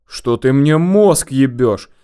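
A man's voice: mid-range voice, expressive, moderate pace, natural voice. A man doing a brash, pushy enforcer. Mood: indignant. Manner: brusque, mocking.

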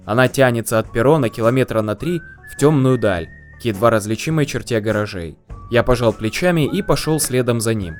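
Brief: deadpan male storyteller, soft music underneath. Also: mid-range voice, fairly quick. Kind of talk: first-person story narration.

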